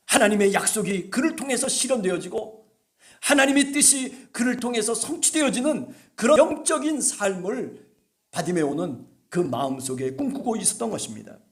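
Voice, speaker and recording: Male pastor, high voice, fervent sermon, urging delivery, church service. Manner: impassioned, urging the congregation, rising to shouts.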